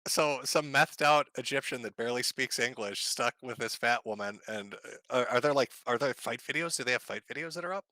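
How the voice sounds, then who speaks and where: A man with a sharp, bright voice chats casually, laughing easily and asking blunt, crude questions. His pitch sits mid-range. The recording is dry and close. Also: fairly quick, hardly any pauses, no room sound. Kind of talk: casual chat.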